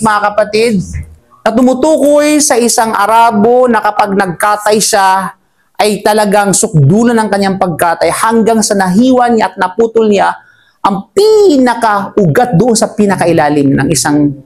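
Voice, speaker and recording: A woman giving a Quran commentary lesson to a live group, lively and chatty, who chants verses quickly and jokes with her listeners. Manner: lively, chatty teaching voice that swings up high for emphasis; chants Arabic verses quickly between explanations. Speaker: Islamic teacher.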